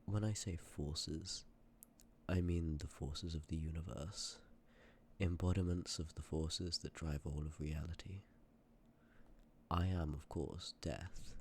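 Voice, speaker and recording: Man playing a deep, creaky, gentle Death. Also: fairly even intonation, a little hiss or hum. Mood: apologetic, explanatory. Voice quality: low, creaky, often dropping to a breathy whisper. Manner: measured, hesitant, politely formal, apologetic. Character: sympathetic, courteous personification of Death, calm and ancient. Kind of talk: ASMR roleplay, scripted acting addressed to listener.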